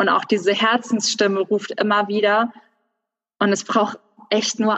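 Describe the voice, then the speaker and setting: A woman talks fairly slowly in a fairly high voice. It is a plain, everyday voice. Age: 20s. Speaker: animal welfare activist. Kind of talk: interview.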